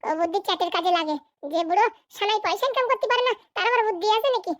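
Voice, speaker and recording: Woman doing naggy cartoon village wife, super high voice, crazy fast sarcastic comebacks. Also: no room sound. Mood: nagging, mocking. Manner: sarcastic, needling retorts. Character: sharp-tongued, nagging village wife and mother. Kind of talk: comedy cartoon dialogue.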